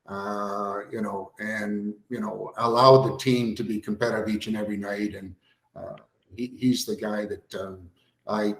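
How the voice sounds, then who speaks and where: An older man, a former athlete and coach, talking casually and haltingly on a sports panel. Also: fairly low pitch, a bit bright. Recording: roomy, echoing sound.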